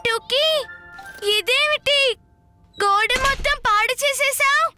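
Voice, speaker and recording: A woman's voice: very high-pitched, slow, loud music behind the voice. A woman voicing an earnest young child, a bossy older sibling, in a children's cartoon. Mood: surprised.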